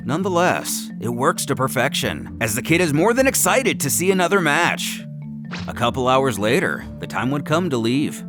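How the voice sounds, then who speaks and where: A man's voice: medium pitch, sing-song, moderate pace, over music. A man delivering dramatic scripted narration in a theatrical, emphatic way, as the narrator of a fan story recap.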